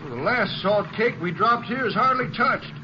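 A watchful, middle-aged rancher with a high-pitched voice. He is a practical western radio drama father who turns hot when crossed. The vintage recording is dull, with clear noise behind him. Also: expressive, normal speed. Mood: practical, puzzled. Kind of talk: old-time western radio drama acting.

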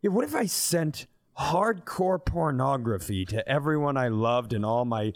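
A man's voice: mid-range voice, lively intonation, a little slow. A middle-aged man, a comedian hosting a podcast, bantering casually, acting out quotes and swearing freely.

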